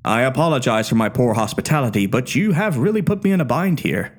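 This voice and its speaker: A man reading a story aloud, voicing an obsessive, unhinged doctor who speaks with quiet menace. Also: medium pitch, animated, fast, close to an everyday voice. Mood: menacing.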